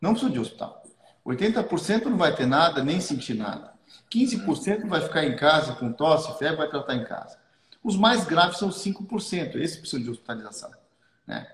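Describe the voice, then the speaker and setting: His pitch high for a man and swinging very widely, a man speaks at a fairly quick pace. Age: 60s. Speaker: cardiologist. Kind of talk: casual chat.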